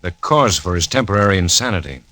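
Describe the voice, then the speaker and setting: An actor playing a measured, inquiring doctor in a 1940s radio play. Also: male voice, low-pitched, animated, pushed and bright, dry recording. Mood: curious.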